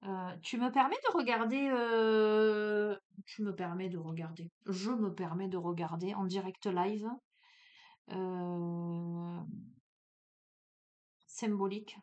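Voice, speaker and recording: A woman's voice: mid-range voice, steady tone, slow pace, darkish tone. A woman from Marseille with a sing-song Marseille accent, giving a casual tarot card reading and chatting familiarly with the viewer. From Marseille, France. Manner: chatty and familiar, speaks straight to the viewer, peppers lines with "hein".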